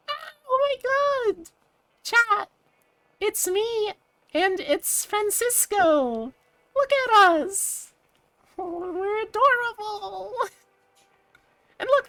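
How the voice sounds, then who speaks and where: A woman voicing an excitable, starstruck, cute visual novel character who gushes in exclamations. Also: very high voice, no echo, pitched above the performer's own voice, heavily acted. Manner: gushing, exclamatory.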